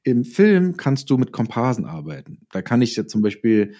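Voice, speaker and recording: Very animated, with a medium-pitched, mellow voice at a moderate pace, a writer and audio drama maker describes his craft in a casual interview. He works through examples, using hypotheticals and acting out quotes.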